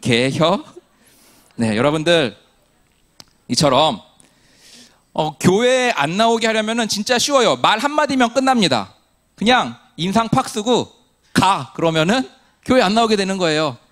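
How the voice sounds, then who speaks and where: Lively higher-voiced male pastor preaching. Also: moderate pace. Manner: asks the congregation questions and answers them himself; animated storytelling with humor. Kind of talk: sermon to a congregation.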